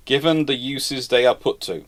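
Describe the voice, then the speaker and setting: A man's voice: mid-range voice, normal speed, fairly bright tone. A man hosting a casual panel discussion, moving through questions and weighing in himself. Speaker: host reading viewer questions on a naval history panel.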